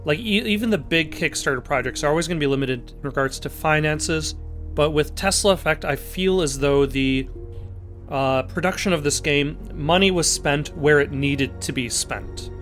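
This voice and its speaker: A man hosting a let's play with casual, improvised commentary, thinking aloud in a halting way. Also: on the high side, fairly bright tone. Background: music.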